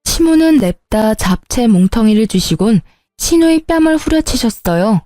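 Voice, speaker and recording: Calm mellow-voiced woman narrator. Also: on the high side, normal speed, no echo, studio quality. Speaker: storyteller. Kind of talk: scripted narration.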